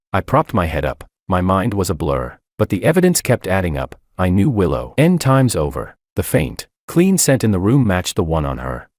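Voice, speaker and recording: A man reading a first-person romance story as narrator, in an expressive storytelling manner. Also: low-pitched, no room sound, clean studio sound.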